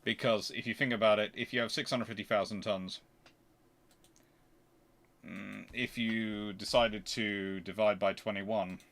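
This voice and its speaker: A man's voice: fairly low pitch, steady tone, measured pace, a bit bright. Man thinking aloud, explaining. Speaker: history channel host answering viewer questions. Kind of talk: casual unscripted question-and-answer commentary.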